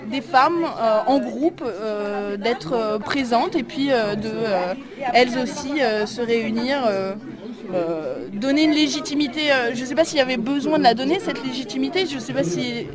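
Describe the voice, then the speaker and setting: A woman who works for a community association, interviewed outdoors at a street market, speaking hesitantly with many pauses and fillers. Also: fairly high pitch. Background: crowd chatter.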